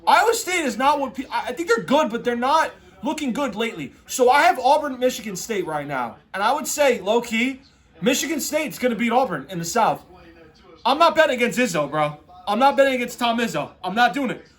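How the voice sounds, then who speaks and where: A man with an unusually high voice talks in an excitable frat-bro manner. His pitch jumps around a lot as he gives casual, slangy sports takes off the cuff. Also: brisk. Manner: excitable frat-bro talk, heavy on "bro" and "dude". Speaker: host reacting to a tournament bracket.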